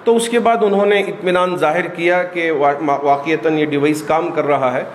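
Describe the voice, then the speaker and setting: A man's voice: on the high side, steady tone, fairly quick. A man speaking as a community religious spokesman at a press conference, explaining and appealing to listeners. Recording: reverberant hall with faint noise.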